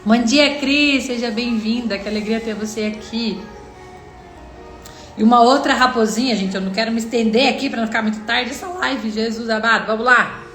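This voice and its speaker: A woman's voice: a little high, fairly quick, a bit bright. A Brazilian woman giving an earnest devotional on a live stream, talking straight to her viewers and retelling what God said to her. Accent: Brazilian Portuguese. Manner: earnest, addresses viewers directly, quotes God in dialogue. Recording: echoey room with faint music.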